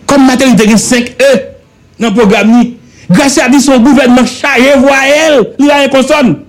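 A man's voice: extremely high pitch, fairly even intonation, normal speed. A man with a Haitian accent giving impassioned political commentary in a radio studio, emphatic and repetitive, driving points home with rhetorical questions.

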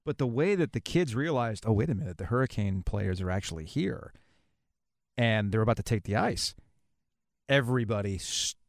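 A man's voice: lowish voice, expressive, normal speed, no echo, clean studio sound. A man in his forties hosting a sports podcast, chatting informally in a casual interview style. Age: 40s. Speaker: podcast host.

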